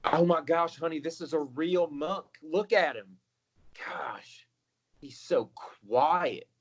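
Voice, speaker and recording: A man playing a clueless, easily thrilled tourist in an improv comedy scene, talking excitably and swinging between awe and letdown. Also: a little high, slow, highs cut off. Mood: amazed.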